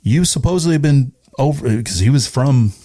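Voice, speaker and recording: A man's voice: mid-range voice, animated, normal speed, mellow. A middle-aged man from East Texas chatting casually as a podcast guest, retelling stories with quoted dialogue. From East Texas, USA. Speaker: podcast guest, radio personality. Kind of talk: casual conversational storytelling.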